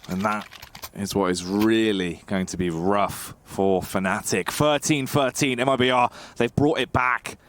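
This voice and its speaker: A man commentating play-by-play as an esports caster, moving between measured analysis and excited calls. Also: lowish voice. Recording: game gunfire noise behind voice. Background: video game gunfire and clicks.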